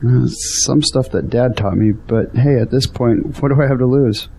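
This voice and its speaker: A man's voice: medium pitch, moderate pace, creaky, dark tone, a little hiss or hum, natural voice. An actor playing an earnest, hopeful young Christian man in an audio drama. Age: young adult.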